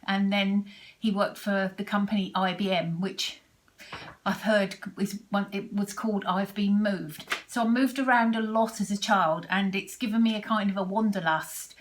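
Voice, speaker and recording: A woman in her sixties from Britain with a British accent, chatting casually to camera about her sewing and rambling through restarts and asides. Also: medium pitch. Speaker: sewing vlogger.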